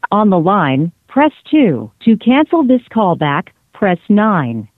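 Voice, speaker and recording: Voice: medium pitch, sing-song, slow pace, no room sound. An automated phone menu voice made of recorded prompt words spliced together, with a stiff announcer delivery. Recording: tinny phone line.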